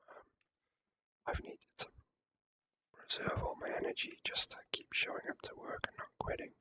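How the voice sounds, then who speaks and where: Whispered voice, ASMR gameplay commentary, hesitant, confiding, breathy crisp sibilance. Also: pushed and bright, rough recording. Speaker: video game streamer.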